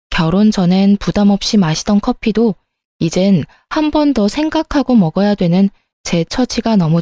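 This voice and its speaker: A woman's voice: mid-range voice, dark tone, no room sound, studio quality. A woman telling a dramatized first-person story in an aggrieved, confessional manner. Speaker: narrator.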